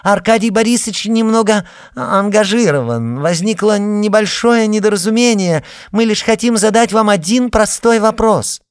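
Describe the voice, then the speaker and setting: A man voicing an anxious young noblewoman who pleads with her brother in a high, breathless voice. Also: fairly even intonation, fast, few pauses, no echo, studio quality, natural voice. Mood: falsely sweet. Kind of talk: audiobook character voice.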